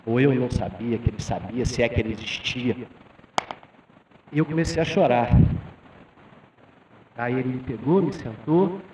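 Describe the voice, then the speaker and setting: A man's voice: medium pitch, moderate pace, pauses often, darkish tone. A man in his fifties from Brazil giving a lecture and telling a personal story in a conversational way, often tagging his sentences with a questioning "né?". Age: 50s. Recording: echoey hall from far off with faint noise.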